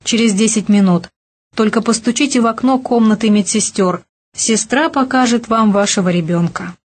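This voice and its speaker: A woman voicing a brisk, matter-of-fact male hospital doctor in an audiobook. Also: fairly high pitch, a little mellow, husky.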